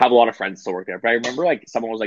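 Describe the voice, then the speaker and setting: A man's plain, everyday voice at medium pitch, with ordinary pitch variation and a dry, close sound with no echo. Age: 20s. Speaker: hockey writer and managing editor. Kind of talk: casual interview. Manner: filler-heavy, casual.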